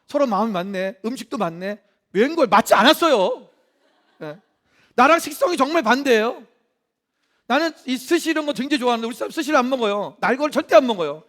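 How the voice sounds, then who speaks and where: A male pastor preaching a lively sermon in a church, often questioning the congregation. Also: very high-pitched. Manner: lively, asks the congregation questions and acts out quotes.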